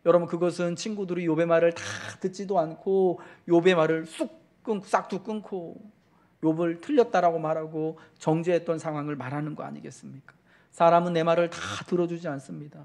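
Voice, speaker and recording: A male pastor delivering a Sunday sermon, talking straight to the congregation with repeated questions and swelling, slowed-down emphasis on key words. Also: a little high, fairly even intonation, darkish tone. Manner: fervent preaching that slows and swells for emphasis.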